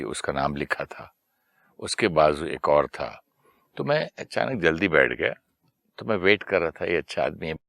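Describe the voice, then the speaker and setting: Deep-voiced Indian man telling a story. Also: gravelly, fairly bright tone, no room sound, studio quality. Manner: anecdotal, acts out quoted dialogue. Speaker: guest. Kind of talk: storytelling in conversation.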